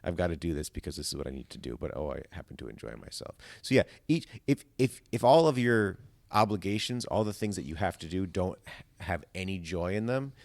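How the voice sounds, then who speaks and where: This stage actor, on a podcast as a guest, has a low, creaky voice with a darkish tone, recorded with no room sound. He chats casually, rambling and philosophizing as he emphatically lays out his ideas.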